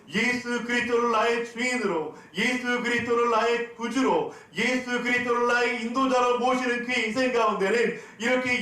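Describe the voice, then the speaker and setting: A man's voice: very high-pitched, bright, forceful tone. A man preaching a sermon as pastor, putting questions to the congregation and answering them. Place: church sanctuary. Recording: very echoey hall, from a distance.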